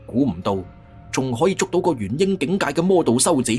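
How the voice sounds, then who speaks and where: A man's voice: on the high side, sing-song, a little fast, a little mellow, soft background music, pitched above the performer's own voice. A man with a Cantonese accent voicing a cocky, scornful young immortal cultivator hero in an audiobook, taunting and dismissive. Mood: mocking.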